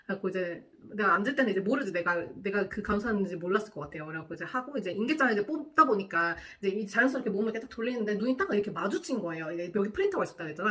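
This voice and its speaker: A woman's voice: mid-range voice, animated, rapid-fire, sharp tone. A young woman, a nurse, tells a work story to camera in casual chat, acting out the quoted lines and laughing often.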